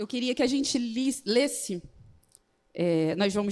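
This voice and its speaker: This woman speaks at a fairly slow pace. Her intonation is lively. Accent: Rio de Janeiro. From Rio de Janeiro, Brazil. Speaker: women's meeting speaker. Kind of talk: sermon. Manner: informal, conversational.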